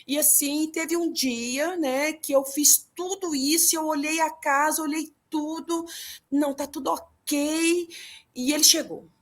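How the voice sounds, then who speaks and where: A woman's voice: high voice, measured pace, hardly any pauses. A middle-aged Brazilian woman giving an earnest, emotional personal testimony in an interview. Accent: Brazilian Portuguese. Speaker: guest telling her story.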